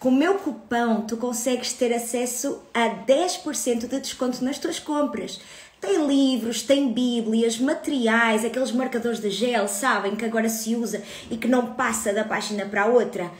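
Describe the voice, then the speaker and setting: A woman's voice: fairly high pitch, moderate pace, reverberant. A woman in her thirties with a European Portuguese accent, hosting a casual live stream about her book club, chatty and greeting viewers. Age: 30s.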